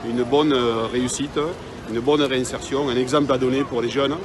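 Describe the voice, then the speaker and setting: A man's voice: medium pitch, fairly even intonation, fairly quick. A man from the Gers with a southwestern French accent, chatting in a friendly, joking way outside a cinema. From Gers, France. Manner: friendly, joking, plain-spoken. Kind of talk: casual chat to camera. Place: outside a cinema, crowd around. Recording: crowd and street noise behind. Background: crowd.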